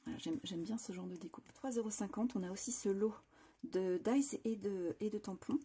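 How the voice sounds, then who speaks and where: Woman, craft haul host, chatty and enthusiastic, dark mellow tone, slightly husky. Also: mid-range voice, moderate pace. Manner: chatty, enthusiastic, frequent fillers and restarts. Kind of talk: casual product haul presentation. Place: home craft room.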